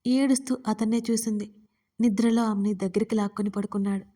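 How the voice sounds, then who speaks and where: A woman narrating a romantic audio story in a steady, even reading voice. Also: on the high side. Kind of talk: scripted narration.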